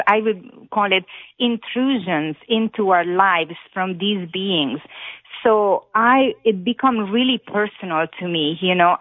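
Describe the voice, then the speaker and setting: A woman with a Hungarian accent, calling in to a radio talk show and speaking earnestly with many pauses and fillers. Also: medium pitch, dry recording. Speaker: caller. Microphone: telephone. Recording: tinny phone line.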